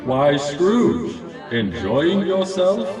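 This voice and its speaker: A man's voice: on the high side, wildly swooping pitch, very slow, over a noisy crowd, exaggerated voice. A man playing a grave, commanding, aging Christmas ghost in a theatrical audio drama, in a roomy echo. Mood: jovial, urging. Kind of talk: theatrical radio drama acting. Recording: roomy, distant echo under loud music.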